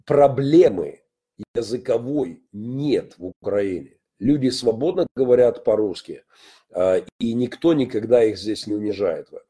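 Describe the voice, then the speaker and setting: Brief: middle-aged male pastor, husky and dark-toned, solo opinion talk with many "uh" pauses. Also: mid-range voice, animated. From Ukraine. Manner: frequent "э" hesitations, emphatic rises. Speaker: pastor and commentator.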